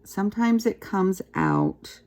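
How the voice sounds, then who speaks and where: A woman giving a chatty, relaxed jewelry-making tutorial, talking through each step as she works with her hands. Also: medium pitch, slow. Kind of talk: casual craft tutorial.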